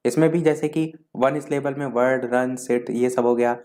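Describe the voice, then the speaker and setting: A male teacher giving an exam revision lesson, explaining step by step and listing terms one by one, slowing down to read out definitions. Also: medium pitch, steady tone, darkish tone. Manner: slows down to read out English definitions.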